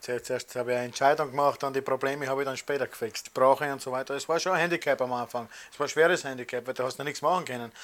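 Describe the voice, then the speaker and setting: A man's voice: mid-range voice, a bit bright. An older man recalls things casually in colloquial dialect, mixing in English words. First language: German. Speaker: emigrant interviewee. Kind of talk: casual spoken recollection.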